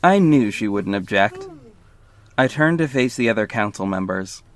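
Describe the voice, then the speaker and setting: A man's voice: lowish voice, expressive, moderate pace, natural voice. A man acting as a wry gay narrator who tells his own story in an audio drama, with snarky, confiding asides. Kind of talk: first-person scripted narration in audio drama.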